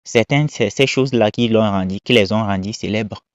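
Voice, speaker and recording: Low-voiced man moralizing, dull recording. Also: normal speed, no room sound. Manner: emphatic, repetitive, moralizing. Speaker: commentator reacting to viral videos. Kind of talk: casual spoken commentary. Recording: dull lo-fi dry sound.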